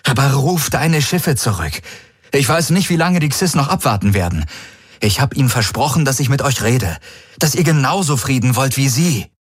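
A man's voice: mid-range voice, animated, moderate pace, husky, no room sound, studio quality, voice pushed up. A man voicing a desperate young man who pleads urgently with a woman he betrayed. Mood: pleading.

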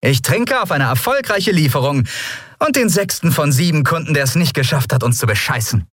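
A man's voice: on the high side, very animated, a little fast, fairly bright tone, husky, no echo, clean studio sound, pitched above the performer's own voice, full character voice. Man voicing a sarcastic young woman captain. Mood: wry. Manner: sarcastic, breezy, mocking. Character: sharp-tongued young woman airship captain.

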